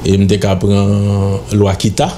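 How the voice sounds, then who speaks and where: A man's voice: on the low side, completely flat delivery, takes it slowly, dark tone. A middle-aged man with a Haitian accent, a guest in a radio studio interview, speaking in an emphatic, lecturing, insistent way into a studio microphone. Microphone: studio mic on stand.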